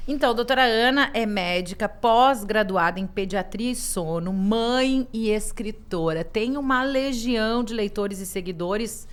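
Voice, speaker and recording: A woman's voice: on the high side, unhurried, few pauses, smooth. Woman, gaúcho accent, podcast co-host, chatty, playful, tag questions, glass studio with audience. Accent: southern Brazilian gaúcho. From Rio Grande do Sul, southern Brazil. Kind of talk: upbeat podcast hosting.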